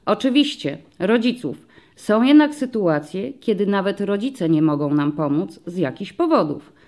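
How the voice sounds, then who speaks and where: A woman voicing a patient, friendly male police commissioner who explains things slowly to young children in an audiobook story. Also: mid-range voice, big pitch swings, darkish tone. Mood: explaining.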